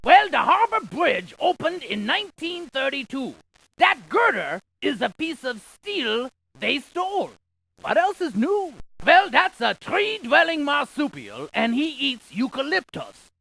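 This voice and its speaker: Quirky jokey game scientist, bright creaky voice, folksy and over the top. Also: male voice, extremely high pitch, sing-song, a little slow, exaggerated voice. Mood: quirky, excitable. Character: excitable, quirky scientist tour guide, full of folksy quips. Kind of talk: cartoonish video game character lines.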